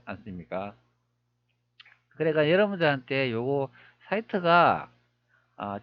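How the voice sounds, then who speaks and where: In a muffled screen-recorded commentary, a history video creator with a medium-pitched voice walks viewers through old images on screen. He wonders aloud as he goes, posing plenty of rhetorical questions.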